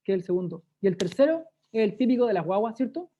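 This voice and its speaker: A woman with a Chilean accent leads a lively online speaking workshop, demonstrating exercises and checking in with listeners often. Her medium-pitched voice is mellow and fast, with big pitch swings, heard through dull, lo-fi video call audio with slight background noise.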